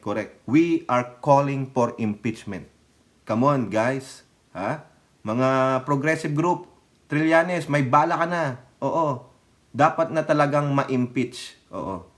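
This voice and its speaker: A man giving casual political commentary as a vlogger, sarcastic and mocking, laughing often and speaking straight to his viewers. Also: on the high side. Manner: addresses viewers directly as countrymen.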